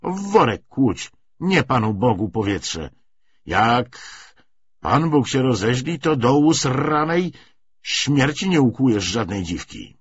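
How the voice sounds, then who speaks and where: A man's voice: mid-range voice, very animated, takes it slowly, slightly rough, highs cut off, heavily acted. A man voicing a stern veteran cavalry lieutenant in an audiobook, giving riding instruction with crude, commanding sarcasm. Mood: commanding, scornful. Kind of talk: audiobook character reading.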